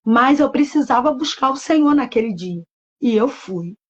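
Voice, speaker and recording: A woman's voice: on the high side, animated, moderate pace, husky, highs cut off. A woman pastor, giving an emotional personal religious testimony in a repetitive storytelling manner. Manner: emotional, repetitive storytelling with many quoted voices.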